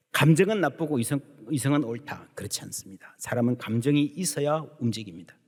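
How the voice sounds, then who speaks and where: A male pastor preaching a sermon in a church sanctuary, lively and emphatic, acting out the voices he quotes. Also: a little high. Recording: long church hall reverb.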